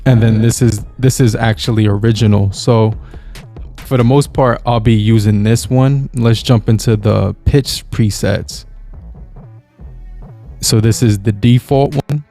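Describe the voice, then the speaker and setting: A man giving a relaxed, casual product review, talking with many halting fillers. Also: fairly low pitch, soft background music. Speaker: gear reviewer. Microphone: podcast mixer with microphone.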